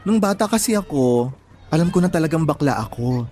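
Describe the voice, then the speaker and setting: A man's voice: a little high, animated, brisk, warm tone, faint music behind, natural voice. A man with a Filipino accent playing a campy, sassy young gay man in an audio drama, talking in theatrical casual slang. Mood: dramatic, sassy. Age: young adult.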